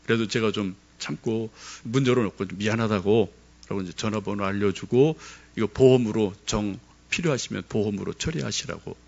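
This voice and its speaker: A man's voice: on the low side, fairly quick, vocal fry, a little mellow, lo-fi sound. A middle-aged male pastor giving a sermon, telling a personal story and putting questions straight to the congregation.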